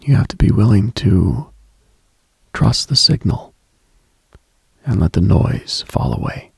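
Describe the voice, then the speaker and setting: A man hosting a late-night spiritual radio show, speaking in a hushed, breathy, reflective monologue. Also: fairly low pitch, very animated, slow pace, no echo.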